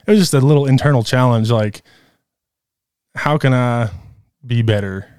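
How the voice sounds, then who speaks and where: A man in his thirties, a guest in a casual interview, talking in a relaxed, candid way. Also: medium pitch, normal speed, smooth, no room sound, clean studio sound. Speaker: guest rider.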